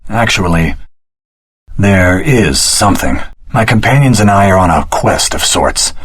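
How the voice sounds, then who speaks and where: A man playing an earnest, determined swordsman hero in a video game, speaking in a measured, serious way with a husky voice. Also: low voice, a bit bright, exaggerated voice. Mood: polite, composed. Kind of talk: video game voice acting, cutscene dialogue.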